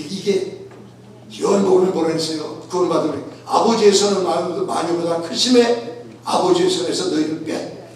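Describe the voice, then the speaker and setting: High-pitched pastor in an echoey hall. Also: male voice, slight background noise. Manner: animated, acts out dialogue with his son, rhetorical questions. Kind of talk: sermon with story. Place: church sanctuary. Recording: echoey church hall, far from mic.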